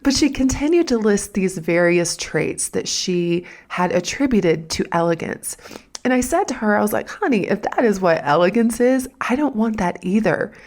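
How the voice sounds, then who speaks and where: A woman's voice: mid-range voice, expressive, moderate pace, a little mellow. A woman with a Southern US accent hosting a solo podcast, talking in a chatty, folksy way with asides to her listeners. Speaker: podcast host.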